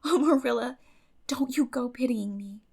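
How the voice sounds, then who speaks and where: Woman playing an eager, high-voiced teenage girl. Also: normal speed, gravelly, darkish tone, breathy edge. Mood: merry, firm. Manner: eager, effusive, dreamy, emphatic. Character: bright, determined, idealistic sixteen-year-old girl. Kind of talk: dramatic audiobook reading of a classic novel.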